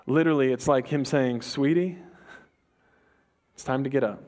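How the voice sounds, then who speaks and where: A young man preaching a sermon in a relaxed, conversational way, with quick asides and slang. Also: medium pitch. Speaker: pastor.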